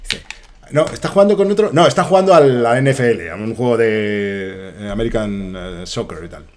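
A young man from Spain with a Spanish accent, giving rambling, excitable commentary while playing a soccer game and swearing often. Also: on the low side, normal speed, slight background noise. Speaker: gaming streamer.

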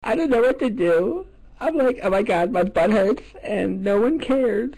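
A man putting on a melodramatic, easily offended gay man who makes a prank phone call, his gravelly voice swinging from mumbling and hesitant to shrill and wailing. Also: animated, unhurried, darkish tone. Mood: distraught, indignant. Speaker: prank caller.

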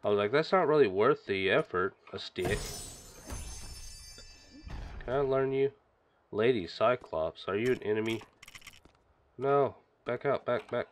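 A man hosting a gaming channel, chatting casually and reacting excitedly as he plays, sniffling from a stuffy nose. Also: mid-range voice, measured pace, pauses often, a little hiss or hum. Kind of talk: casual game commentary.

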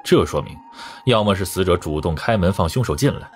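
A man's voice: low voice, animated, a little fast. A man reading a first-person crime novel as scripted narration. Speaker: audiobook narrator. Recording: music under the voice. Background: background music.

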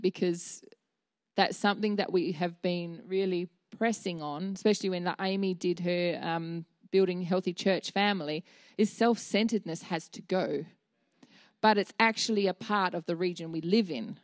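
A woman in her thirties preaches in a relaxed, heartfelt way, with fillers and restarts. Her voice sits a little low. The handheld mic gives a close, dry sound. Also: dry recording. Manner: earnest, candid, with fillers and restarts. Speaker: church speaker. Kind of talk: conversational sermon. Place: dim church stage with a small seated audience.

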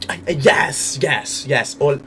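Music plays behind a young man livestreaming indoors through a headset mic. His medium-pitched voice takes things slowly as he talks casually and hesitantly, repeatedly saying the same word.

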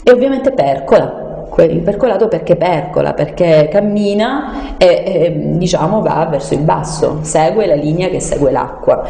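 In a reverberant room, a woman speaks with a low, gravelly voice and a soft, dark tone. She is a radio guest explaining things off the cuff, often pausing to hunt for the right word. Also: expressive. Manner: explanatory, hesitant, searching for words. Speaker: studio guest explaining environmental issues. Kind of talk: unscripted radio discussion. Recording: echoey room with long reverb.

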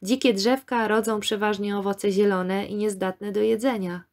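A cheerful, eager young man, a student in an audiobook story, read by a woman in nearly her own voice. He speaks warmly and with lively enthusiasm. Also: medium pitch, moderate pace, lightly acted.

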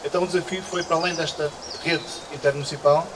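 A man's voice: a little high, fairly even intonation, quick pace. A man in his forties with a European Portuguese accent gives a public speech as festival director in an outdoor garden, speaking earnestly into a stand microphone with frequent restarts and hesitations. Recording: distant mic, outdoor insect and bird noise. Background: insects buzzing and birds.

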